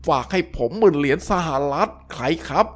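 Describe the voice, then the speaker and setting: A man voicing a sly, boastful young crook who snaps back quickly. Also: on the high side, animated. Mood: indignant.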